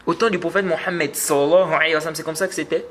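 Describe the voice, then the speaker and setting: A man's voice: on the high side, steady tone, racing, fairly bright tone. A man giving a religious lesson, explaining patiently, repeating words and rising when he stresses a point. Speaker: Islamic teacher.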